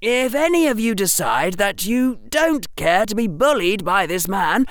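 A man's voice: sits high, big pitch swings, unhurried, a bit bright, no echo, clean studio sound, voice pushed up, heavily acted. A man voicing a coldly defiant eleven-year-old boy wizard with an icy, precise delivery. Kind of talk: audiobook character voice.

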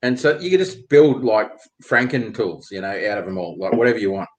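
A man chatting in loud, matey banter with friends, blokey and slangy, swearing casually. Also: on the low side, fairly quick, low-quality recording.

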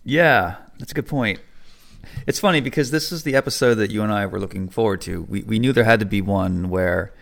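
Gravelly-voiced man, chatty podcast co-host. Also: fairly low pitch, a little fast. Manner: animated, quotes people in put-on voices, laughs easily. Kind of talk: casual chat.

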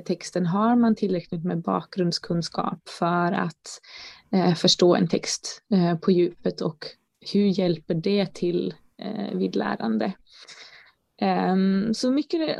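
A woman's voice: medium pitch, creaky, a little mellow, no room sound. A woman speaking as a researcher in a conversational interview, explaining her field in a hesitant, thoughtful way. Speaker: education researcher, interview guest.

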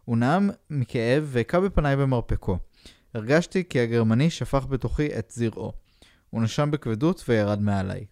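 A man reads a pulp novel aloud in a flat, deadpan way as a podcast co-host. His pitch sits mid-range. The sound is dry and close. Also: no echo. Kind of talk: dramatic reading of a pulp novel.

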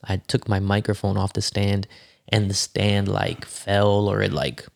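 A man, a rapper and musician, telling stories in a relaxed casual interview, with many fillers and restarts. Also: lowish voice, measured pace, creaky. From United States.

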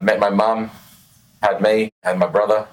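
A man with an Australian accent hosting a podcast, easygoing and quick to laugh. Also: fairly low pitch, flat delivery, rough recording. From Australia, New Zealand and Los Angeles. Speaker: podcast host. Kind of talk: casual interview chat.

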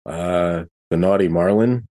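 A man playing a tabletop roleplaying game, casually narrating what his character does in halting, improvised phrases. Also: deep voice, warm tone.

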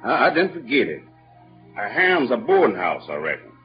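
An actor playing Jim, a simple-hearted kindly man who speaks in a rural Southern dialect, in an old-time radio drama. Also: a little fast. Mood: puzzled, earnest. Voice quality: lively, swooping between low mutters and high exclamations. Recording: dull lo-fi old radio recording with music.

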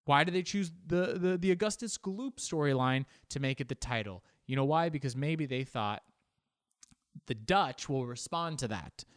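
A man's voice: a little high, expressive, normal speed, dry recording, clean studio sound. A man riffing in a comedic monologue, sarcastic and rambling, often restarting his sentences.

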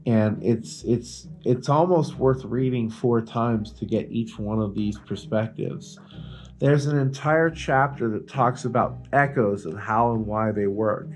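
A man co-hosting a podcast speaks at a measured pace in a medium-pitched, darkish voice, with soft music in the background. He tells stories casually and emphatically, bantering informally and swearing freely.

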